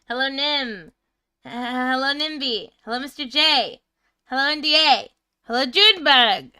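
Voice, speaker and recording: A woman's voice: sits high, measured pace, pushed and bright, smooth, dry recording. A woman hosting a livestream, chatting casually in a playful, talkative manner. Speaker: livestream host.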